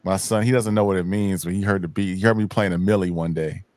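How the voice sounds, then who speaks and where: A man hosting a casual hip hop talk show, rambling in a relaxed way and often repeating himself. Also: low-pitched, fast, no echo. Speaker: podcast host. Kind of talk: casual chat.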